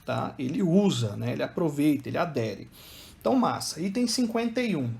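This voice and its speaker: A man's voice: fairly high pitch, very animated, a little fast, gravelly, a little mellow. A man with a Brazilian accent teaching literature in an exam-prep lecture, chatty and speaking straight to his students. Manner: chatty, addresses students directly, counts syllables aloud.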